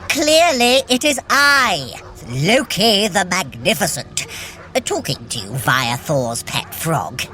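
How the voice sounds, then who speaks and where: A woman's voice: on the low side, very animated, takes it slowly, bright, forceful tone, full character voice. A woman playing a scheming trickster god in an audio drama, grandiose and self-satisfied, talking straight to the listener. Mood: smug, grandiose.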